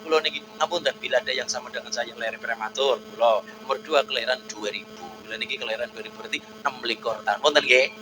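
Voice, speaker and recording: A man with a Javanese accent preaching a lively sermon, jumping to high calls and chanting prayers. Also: quick pace, background noise. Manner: animated, swings into high shouts, chanted Arabic prayers.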